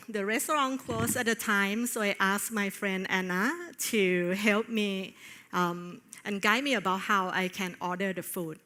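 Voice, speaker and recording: Female conference presenter, bright forward tone, earnest and hesitant with fillers. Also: mid-range voice. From Thailand. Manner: earnest, with frequent filler pauses. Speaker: conference speaker. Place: on stage at a tech conference.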